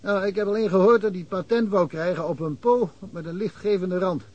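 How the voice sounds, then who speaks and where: An actor playing a talkative middle-aged provincial police detective in a radio drama, telling wry stories and chuckling often. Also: male voice, high voice, brisk, a little mellow, lo-fi sound. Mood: amused, chatty.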